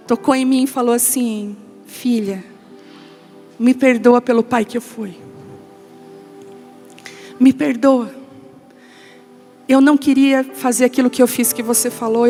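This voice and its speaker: High-voiced Brazilian woman preaching in a hall. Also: a little mellow. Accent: Brazilian Portuguese. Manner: emotional storytelling, quoting others in a lowered voice. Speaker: pastor. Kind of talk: sermon.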